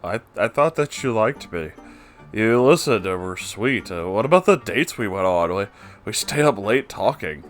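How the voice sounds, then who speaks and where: A man's voice: fairly low pitch, expressive, normal speed, soft background music, close to an everyday voice. Man reading as a hurt, clingy young woman. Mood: hurt, pleading.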